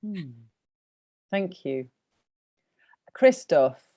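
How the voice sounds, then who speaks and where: Mellow British woman moderating an online panel. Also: lowish voice, sing-song, very slow, highs cut off. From Britain. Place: online video conference.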